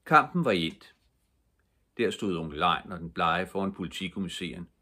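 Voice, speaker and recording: An older man reads a children's book aloud as a bedtime story. His voice is deep and husky. He narrates calmly and evenly. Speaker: storybook reader.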